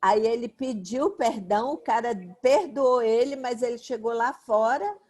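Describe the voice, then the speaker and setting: A woman's voice: fairly high pitch, measured pace, a little mellow. A woman, a study group participant who retells a parable in casual discussion. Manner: brief agreeing interjections, retells a parable.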